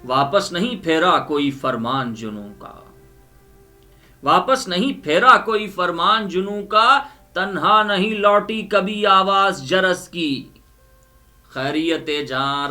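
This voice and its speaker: A man with a high, sharp voice recites and explains poetry dramatically and emphatically, repeating lines for effect, with music playing underneath.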